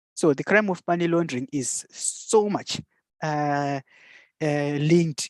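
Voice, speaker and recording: Against a quiet background, the speech proceeds at a very slow pace. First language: a language without R sound. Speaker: guest lecturer on law. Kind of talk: lecture. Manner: halting with many fillers.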